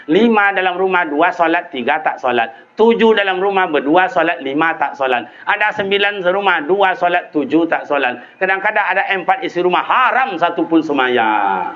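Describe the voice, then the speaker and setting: A man preaching a sermon to a gathering, firing off rhetorical questions and leaping up high in pitch. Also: a bit bright, muffled recording.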